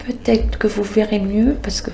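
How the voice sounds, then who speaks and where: A woman working as a medium, reading oracle cards aloud in a halting way, with frequent filler sounds, and speaking to the cards as if they could answer. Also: medium pitch, steady tone, a little mellow, reverberant, slight background noise. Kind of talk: spoken card reading with visions.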